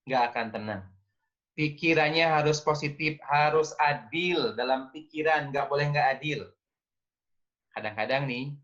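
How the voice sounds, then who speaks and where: Bright-voiced man leading a parenting talk. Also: mid-range voice, highs cut off. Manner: engaging, asks audience, acts out scolding parents. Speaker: parenting speaker.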